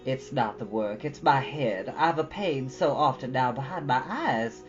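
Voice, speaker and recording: A woman's voice: rumbling low, animated, measured pace, lo-fi sound, over music. A woman voicing a plain-spoken, stern but caring older country woman in a folksy, matter-of-fact storybook reading. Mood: weary.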